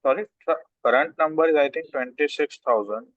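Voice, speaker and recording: A man's voice: on the high side, a little fast, no room sound. A man with an Indian accent, an analyst caller asking questions on an earnings call, polite but persistent. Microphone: remote call line. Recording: distant, narrow, radio-like phone line.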